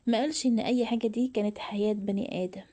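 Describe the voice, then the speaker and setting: A woman with an Egyptian accent narrating a love story in a soft, often whispered voice. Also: mid-range voice, fairly even intonation, rapid-fire. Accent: Egyptian Arabic.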